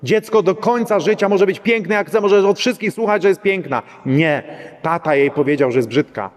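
Middle-aged male priest, high-pitched, preaches chattily to his flock with lots of rhetorical asides, reverberant church sound. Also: normal speed. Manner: talks directly to the congregation with frequent rhetorical "right?" asides. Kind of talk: conversational sermon.

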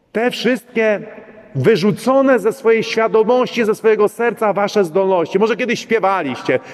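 A middle-aged male priest giving a conversational sermon, speaking directly to his congregation and often asking "right?". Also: high voice. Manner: talks directly to the congregation with frequent rhetorical "right?" asides. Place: church. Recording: long reverb of a church.

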